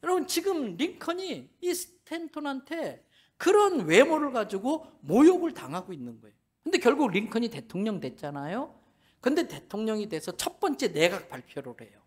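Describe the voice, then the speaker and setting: A middle-aged male pastor delivering a Sunday sermon in a church. His pitch swings widely as he tells stories with animated humor and acts out everyday dialogue for the congregation. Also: fairly quick. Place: church sanctuary.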